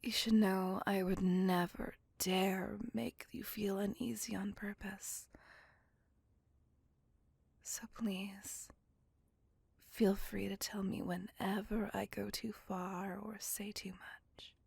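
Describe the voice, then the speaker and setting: A woman voicing a courteous, possessive female vampire on a date, speaking in a soft, formal and reassuring whisper. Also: mid-range voice, level tone, gravelly, slightly rough, no room sound, exaggerated voice. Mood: tender whisper. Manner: formal, slow, intimate and reassuring. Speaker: voice actor. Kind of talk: ASMR roleplay.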